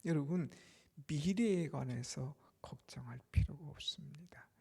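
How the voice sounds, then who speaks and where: Gravelly guy pastor preaching, drops to whispers then booms, calls out amens. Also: unhurried. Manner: swings between loud declarations and hushed whispers; leads the congregation in amens and responses. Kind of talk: Good Friday sermon.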